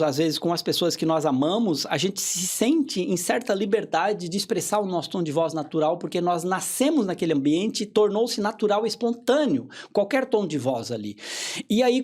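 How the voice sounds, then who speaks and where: Man explaining calmly. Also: high voice, husky. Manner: calm didactic explaining, frequent tag questions. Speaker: hypnotherapist guest. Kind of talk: podcast interview, explaining.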